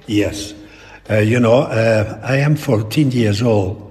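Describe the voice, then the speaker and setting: Very old Spanish man, slow and halting. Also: lowish voice, darkish tone. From Spain. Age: elderly. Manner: halting, searching broken English with repeated words. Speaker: painter being interviewed. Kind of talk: reflective interview talk. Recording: long echoing reverb in a hall.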